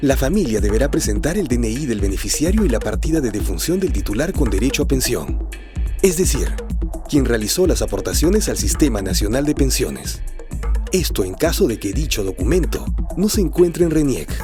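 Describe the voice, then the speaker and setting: Speech at a fairly quick pace with music in the background. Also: man. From Peru. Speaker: professional voice-over announcer. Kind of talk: institutional explainer narration. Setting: home studio recording.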